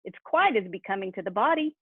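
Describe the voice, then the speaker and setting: A woman's voice: medium pitch, expressive, quick pace, slightly rough, dry recording. A woman playing a callous, brazen working-class scavenger in an amateur dramatised reading. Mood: scornful, brazen. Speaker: library staff reader in a play. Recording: thin tinny phone-like sound.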